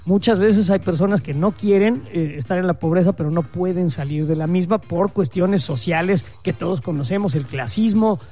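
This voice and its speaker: A man's voice: high-pitched, moderate pace, few pauses, mellow, faint music behind. Mexican guy ranting on a talk show, swears a lot, blunt and emphatic. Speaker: co-host. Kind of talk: casual opinion commentary.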